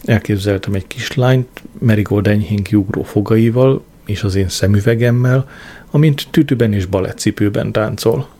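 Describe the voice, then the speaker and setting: A man reading a first-person diary novel aloud as an audiobook, in a measured, dry way, giving small voices to the quoted lines. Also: on the low side, warm tone. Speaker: audiobook narrator. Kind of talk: scripted first-person narration.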